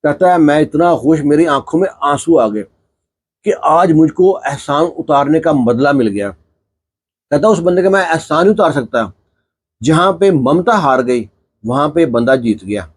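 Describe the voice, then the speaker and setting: A man's voice: a little high, expressive, husky. A man narrating a moral story in an earnest, heartfelt way, stepping into the characters' dialogue as he goes.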